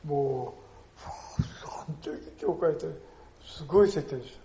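An older man, a pastor, delivering a sermon in an earnest storytelling way, often tagging his phrases with a soft emphatic filler. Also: a little high, unhurried. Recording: echoey church hall.

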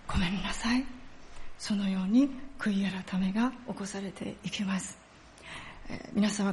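A woman giving a sermon. She tells the story vividly and sometimes drops to a hushed tone for solemn parts. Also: mid-range voice. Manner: storytelling, acts out quoted lines and dialects. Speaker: pastor.

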